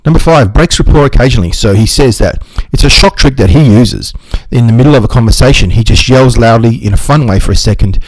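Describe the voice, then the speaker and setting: A man's voice: mid-range voice, breathy edge, no room sound, low-quality recording. A man hosting a book review channel, talking to the camera in an earnest way and often restarting his sentences. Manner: quick and earnest, with frequent restarts. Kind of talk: casual talk to camera.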